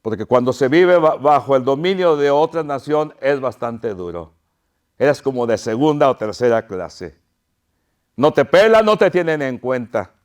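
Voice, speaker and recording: A man's voice: mid-range voice, lively intonation, moderate pace. A pastor preaching an impassioned sermon to his congregation, crying out pleas and calling them his brothers.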